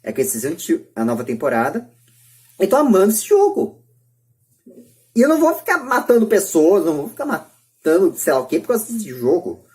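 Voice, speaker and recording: A woman with a Brazilian accent and a low-pitched voice speaks in a podcast discussion. She argues her opinions emphatically, often restating a point to stress it. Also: big pitch swings, a little fast, a little mellow.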